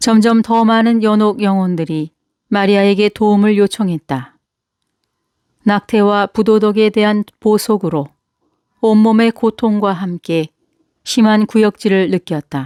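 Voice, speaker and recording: A woman's dark, mellow tone at a very slow pace with long, frequent pauses and ordinary pitch variation, dry and close with no echo, on a very clean recording with a silent background. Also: medium pitch for a woman, very even loudness. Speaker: audiobook narrator. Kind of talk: bedtime story reading aloud, audiobook narration. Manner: slow, soft, calm and soothing.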